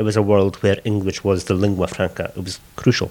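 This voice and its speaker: With noticeable background noise, a man talks very fast in a Hebridean accent, his fairly low pitch held monotone and flat. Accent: Hebridean Scottish English. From Isle of Lewis, Scotland. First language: Gaelic. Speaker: Gaelic poet. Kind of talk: conversation.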